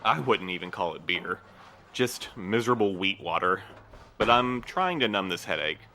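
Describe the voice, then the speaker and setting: Actor as guarded, weary man with bright low voice. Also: lively intonation, moderate pace, a little hiss or hum. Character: guarded, weary postmaster man, evasive but courteous. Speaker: actor in a fiction podcast. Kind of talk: audio drama acting.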